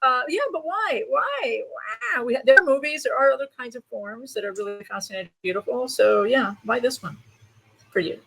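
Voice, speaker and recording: A woman with a fairly high voice leads an interview. She talks in a thoughtful, searching way and sometimes restarts a word as she finds her phrasing. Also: animated, fairly quick, gravelly, heavy background noise. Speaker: interview moderator. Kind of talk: conversational interview.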